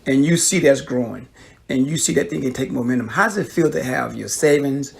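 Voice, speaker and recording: Middle-aged dad with a gravelly voice, asking his son questions, talking easy. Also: mid-range voice, fairly quick. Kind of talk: casual family chat.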